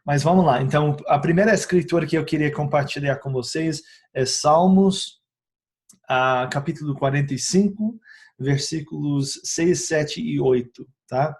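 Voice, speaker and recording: A man speaking a learned second language in a casual teaching video about essential oils, pausing often on filler sounds, correcting himself and checking in with the viewer. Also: on the high side, a little mellow. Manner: hesitant, frequent filler sounds and tag questions.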